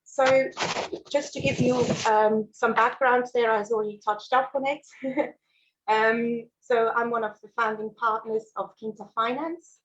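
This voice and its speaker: A woman's voice: fairly high pitch, steady tone, a little slow, highs cut off. A Swiss woman whose first language is German, presenting a mortgage webinar in a friendly way with fillers and small laughs. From Switzerland. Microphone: video call.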